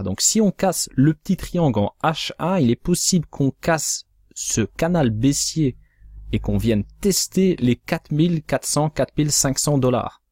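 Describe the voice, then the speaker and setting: A man's voice: medium pitch, darkish tone, no room sound. Dry-voiced man explaining crypto charts. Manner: measured, cautionary, explanatory. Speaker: crypto trading analyst. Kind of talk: scripted chart analysis voice-over.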